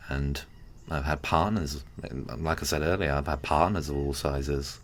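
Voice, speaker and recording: A man playing an easygoing, gently teasing giant friend in a casual, hesitant, intimate ASMR roleplay. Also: rumbling low, steady tone. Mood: playful, teasing. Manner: hesitant, chuckling, unhurried casual talk.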